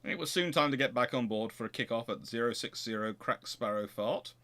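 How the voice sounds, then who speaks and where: A man's voice: mid-range voice, animated, a little fast, sharp tone. A man hosting a naval history show, speaking informally as he answers questions and reads aloud, often correcting himself. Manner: hesitant, thinking aloud, self-correcting.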